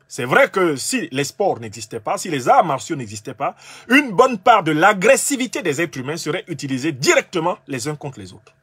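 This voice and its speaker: A husky man from Cameroon lectures with emphatic, argumentative force. His voice sits high and swings widely in pitch. The sound is dry and close. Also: fairly bright tone, no echo. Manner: emphatic, argumentative, addresses listeners directly. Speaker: political commentator. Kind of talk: lecture-style monologue.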